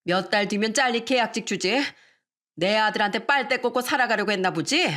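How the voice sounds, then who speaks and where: A woman's voice: a little fast, natural voice. A woman voicing a furious, scornful middle-aged mother-in-law-to-be in a dramatized radio story. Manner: shrill, contemptuous yelling.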